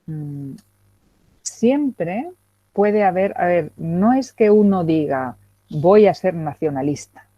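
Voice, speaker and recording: Delivering an academic lecture as a guest lecturer, a middle-aged woman who speaks Spanish as her first language sounds animated yet slow, with a fairly low voice. She hesitates often, fills pauses with many fillers and keeps checking for questions, all captured in dry, dull lo-fi video call audio.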